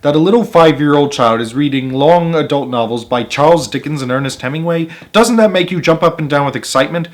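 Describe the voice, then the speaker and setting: Storybook schoolteacher, female, played by a male reader: earnest, reproachful, firmly insistent, pitched up from his usual voice. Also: a little fast, hardly any pauses, close to an everyday voice. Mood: insistent, sarcastic. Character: Miss Honey, earnest young female schoolteacher losing patience. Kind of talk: storybook read-aloud character voice.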